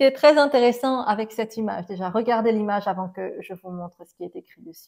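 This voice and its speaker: The speech moves at a very fast pace with ordinary pitch variation. Loudness swings widely against a quiet background. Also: woman, fairly high pitch for a woman. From France, Paris. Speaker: medium doing tarot readings; tarot reader. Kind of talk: tarot card reading monologue. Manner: hesitant, many fillers. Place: home room. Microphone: lapel.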